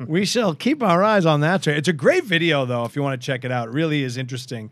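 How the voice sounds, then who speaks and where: A man from the United States hosting a podcast, chatting casually and breaking into animated, loud rants. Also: a little high, brisk. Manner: animated, loud and ranting at times. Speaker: podcast host. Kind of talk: casual podcast chat with ranting.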